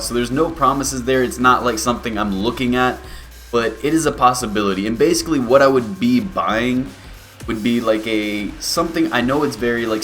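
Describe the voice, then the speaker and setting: A man of about twenty, a YouTuber answering viewer questions in a relaxed, rambling way with many fillers. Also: medium pitch. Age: 20s. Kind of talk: casual Q&A vlog.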